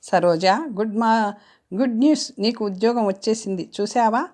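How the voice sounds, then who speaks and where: A woman voicing a caring, cheerful young man as she reads an audiobook story, with a lively, coaxing delivery. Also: fairly high pitch, moderate pace, pitched above the performer's own voice, natural voice. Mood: teasing. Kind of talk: audiobook character reading.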